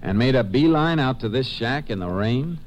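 A man's voice: mid-range voice, animated, moderate pace, slight background noise, lightly acted. An American man playing a terse, matter-of-fact Texas Ranger investigator in a 1950s radio western. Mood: analytical. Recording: old 1950s radio recording.

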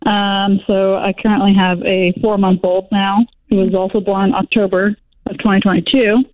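A woman's voice: medium pitch, flat delivery, moderate pace, dry recording. A young adult woman calling in over a phone line, speaking hesitantly with lots of "um" and "like" as she chats casually. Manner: hesitant, with many fillers like "um" and "like". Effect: heard over a phone line. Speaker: caller. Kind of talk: casual call-in chat.

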